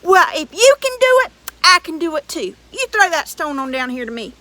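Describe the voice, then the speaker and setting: Storybook giant, male, boastful and slow-witted, blustering and loud, put on by a woman storyteller. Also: very high-pitched, big pitch swings, exaggerated voice, poor audio. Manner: blustering, shouting.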